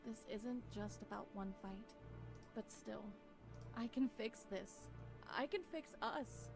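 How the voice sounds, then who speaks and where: An actress playing a weary, anxious wife in a visual novel, speaking a wistful, melancholy inner monologue. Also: female voice, a little high, takes it slowly, vocal fry. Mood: sad, hopeful. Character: weary, anxious wife clinging to a broken relationship. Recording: music behind the voice. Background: music.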